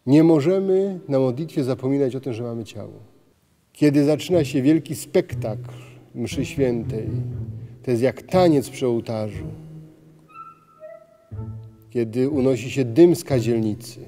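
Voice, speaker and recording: A middle-aged priest giving a slow, measured spiritual reflection full of rhetorical questions, recorded in a dim church. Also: male voice, medium pitch. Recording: music bed under the voice. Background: soft music.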